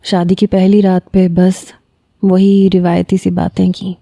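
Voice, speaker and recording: A woman narrating a first-person romantic story in a steady, measured, reflective way. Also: on the low side, gravelly, no echo, studio quality.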